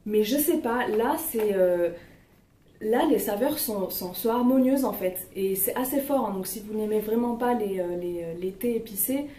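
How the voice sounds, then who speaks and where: A woman's voice: medium pitch, normal speed, warm tone. A young woman chatting casually about her favorite products, hesitant with lots of fillers, recorded at home. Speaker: beauty vlogger. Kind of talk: casual product review chat. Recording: roomy, distant mic, faint noise.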